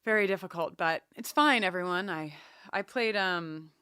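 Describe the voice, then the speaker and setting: A woman co-hosting a podcast, chatting casually about a TV show in a wry, animated way and often interrupting herself. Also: on the low side, moderate pace, smooth, no echo, clean studio sound. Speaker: podcast co-host.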